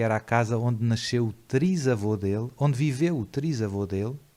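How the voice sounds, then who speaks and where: In a very clean recording with a silent background, a man talks at a moderate pace in a dark, mellow tone with ordinary pitch variation. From Portugal, Lisbon. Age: 40s. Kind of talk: interview. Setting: his family home.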